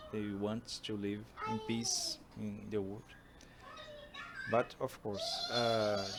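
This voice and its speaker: A man talks at a very slow pace, leaving long, frequent pauses. Background noise is noticeable. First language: Portuguese. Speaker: pop culture commentator. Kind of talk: video commentary. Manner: halting.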